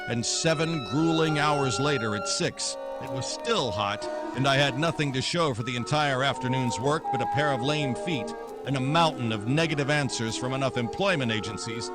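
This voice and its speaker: A man acting as a dogged, wisecracking American gumshoe from a 1940s radio noir. His delivery is wry and clipped, with a tough, weary edge, set over clear background music. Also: medium pitch, close to an everyday voice. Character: hard-boiled, wisecracking male private detective, world-weary, dogged.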